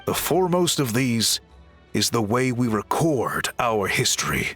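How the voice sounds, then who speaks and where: A man playing an earnest, courteous tribal craftsman and reformer in a video game, speaking in polite, measured, articulate phrases. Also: mid-range voice, sing-song, a bit bright. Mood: earnest, resolute. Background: background music.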